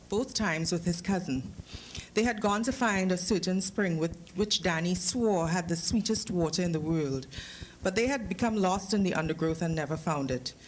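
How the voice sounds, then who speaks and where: A woman with a Trinidadian accent and a lowish voice introduces and reads her own short story to a live lecture audience, informal yet careful and playful in manner. The low-quality recording has clear background noise from the live event.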